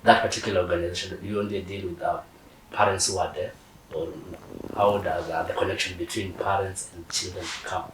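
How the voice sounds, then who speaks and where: A man hosts a TV interview in a very low voice. He sounds set back from the mic in an echoey room, with faint hiss underneath. His questions are friendly and hedged. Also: little pitch movement, brisk, fairly bright tone, distant mic. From Kenya. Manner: friendly, hedging questions with "maybe". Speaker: TV talk show host. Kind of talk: TV interview hosting.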